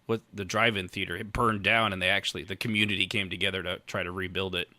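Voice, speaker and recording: An American podcast host chats casually with wry humor and occasional swearing in a comedic conversation. His voice sits low, with a level tone, quick pace, and a pushed, bright quality. The recording is dry.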